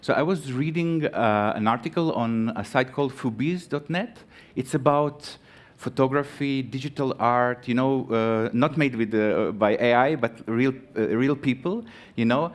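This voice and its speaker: A man from Croatia in his thirties giving a live conference talk, halting with many fillers and restarts, friendly and chatty with the audience. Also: medium pitch. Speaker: conference speaker. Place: conference stage.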